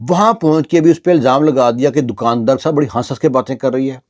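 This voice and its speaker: A man's voice: medium pitch, darkish tone. A man narrating a village story in a conversational way, with repeated fillers and restarts.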